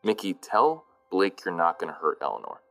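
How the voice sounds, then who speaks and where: A man's voice: low voice, big pitch swings, normal speed, gravelly, fairly bright tone, soft background music, exaggerated voice. A man playing an anxious, apologetic peacemaker in a noir audio drama, earnest, hesitant and placating. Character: anxious, apologetic peacemaker, detective's male friend.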